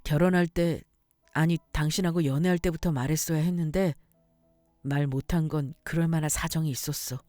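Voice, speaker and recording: A woman's voice: deep voice, steady tone, fairly quick, mellow, no echo, soft background music, lightly acted. A woman voicing a remorseful husband who earnestly confesses a family secret in a storybook reading. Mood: apologetic. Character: remorseful husband, adult man, pleading.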